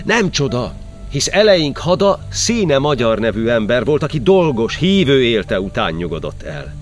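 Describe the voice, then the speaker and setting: A man's voice: medium pitch, very animated, soft background music, lightly acted. An actor playing a humble, devout Catholic priest, reciting his memories in solemn verse in an audio drama. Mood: reverent, reminiscing. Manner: solemn, poetic declamation.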